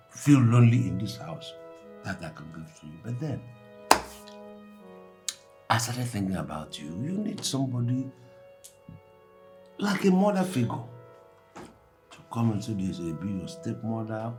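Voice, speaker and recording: An actor playing a widowed, middle-aged father with a Nigerian accent who speaks earnestly and softly. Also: fairly low pitch. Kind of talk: Nollywood film acting.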